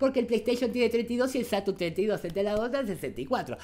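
This man speaks with an Argentine accent at a moderate pace. His pitch is extremely high, with ordinary variation. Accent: Argentine Spanish (Rioplatense). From Argentina. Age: 40s. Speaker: gaming youtuber; gaming streamer. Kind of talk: video commentary monologue.

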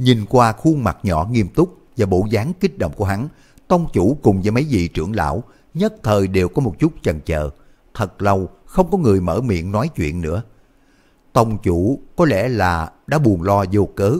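A man speaks at a fairly slow pace with a fairly low pitch. His voice makes very wide pitch swings. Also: quiet background. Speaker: audiobook narrator. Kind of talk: audiobook novel reading. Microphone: studio mic.

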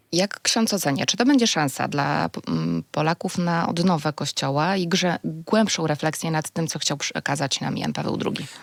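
At a moderate pace, a woman with a normal speaking voice talks at a fairly low pitch with ordinary pitch variation, in a dry, close sound with no echo. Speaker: radio presenter. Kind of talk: radio interview. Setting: radio studio. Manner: formal.

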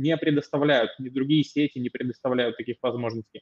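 A man talks at a fairly quick pace with a quiet background behind him. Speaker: real estate sales director. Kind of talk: webinar sales presentation. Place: office. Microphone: connection and sound glitches; video call.

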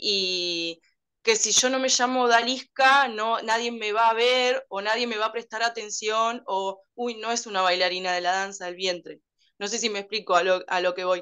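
Intonation stays fairly even at a moderate pace. Behind the voice, the background is quiet. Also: woman. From Argentina. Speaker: belly dancer, audience participant. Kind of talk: audience question. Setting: video call. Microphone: video call.

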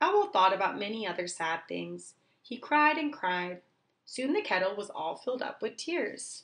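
Natural-voiced reading out loud with quiet surroundings

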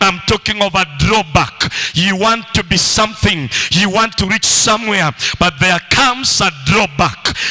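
A man's high-pitched voice with ordinary pitch variation over music in the background. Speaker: preacher. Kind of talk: sermon. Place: church. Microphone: handheld.

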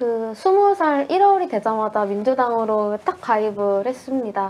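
A woman with a high pitch speaks at a moderate pace, her voice swinging very widely in pitch. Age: 20s. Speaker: parliamentary candidate. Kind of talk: interview. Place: studio. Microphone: lapel.

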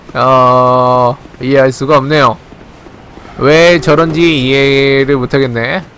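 With noticeable background noise behind him, a man talks in an animated tone at a fairly high pitch, with ordinary pitch variation. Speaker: game streamer. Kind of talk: live game commentary. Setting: live stream. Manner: animated, talks to himself and chat.

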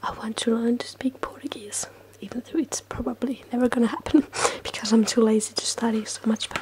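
Soft-spoken and whispering, this voice moves at a fairly quick pace. Light background noise can be heard. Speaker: ASMR creator. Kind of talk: soft-spoken ASMR show-and-tell. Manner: soft ASMR whisper. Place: home room.

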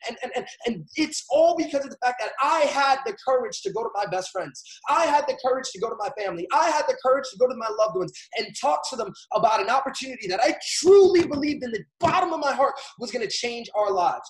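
Over a quiet background, a man speaks loud and very fast at an extremely high pitch, his tone animated and his intonation lively. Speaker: network marketing trainer. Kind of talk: motivational training session; high-energy pep talk. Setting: live video call. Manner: loud, rallying, repetitive hype. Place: home room. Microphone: webcam.

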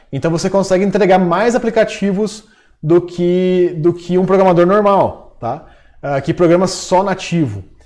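The speaker has a dark, mellow tone, ordinary pitch variation and a fairly slow pace against a quiet background. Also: man. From Brazil. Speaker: live-stream instructor. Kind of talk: casual live stream teaching. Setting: live stream, online. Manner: informal, chatty, filler words. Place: home room. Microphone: lapel.

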